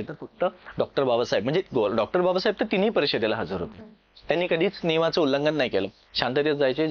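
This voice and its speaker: A man with a Marathi accent from Maharashtra lecturing like a classroom exam coach, explaining step by step and often checking that students follow. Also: medium pitch. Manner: explanatory, repeatedly checks understanding with short questions. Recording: dull lo-fi sound.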